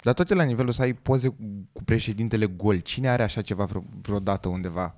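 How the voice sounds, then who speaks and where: Lowish-voiced man teasing friends. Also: darkish tone. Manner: teasing, asks questions. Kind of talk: casual banter.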